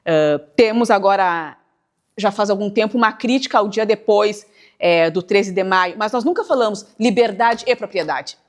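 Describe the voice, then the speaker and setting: A woman writer from Brazil, speaking in a measured, thoughtful way as an interview guest. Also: mid-range voice. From southern Brazil, near the Uruguay border. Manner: measured, thoughtful, stretches words while thinking. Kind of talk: reflective interview talk.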